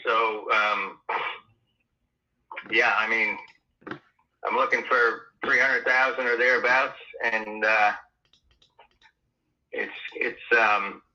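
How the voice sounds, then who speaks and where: A man's voice: on the low side, steady tone, takes it slowly, pauses often, sharp tone. A man selling his house talks on a phone call, hesitant and full of fillers and restarts. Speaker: home seller on a call. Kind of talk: phone conversation. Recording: tinny phone line.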